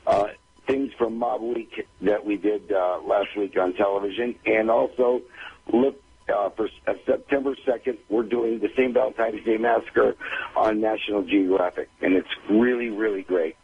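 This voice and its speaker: A man with a husky, raspy voice calling in to a radio show, bantering casually and swearing freely. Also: lowish voice, steady tone, normal speed. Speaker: call-in guest acting as manager. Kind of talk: casual, profane phone-in banter. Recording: dull, lo-fi phone call.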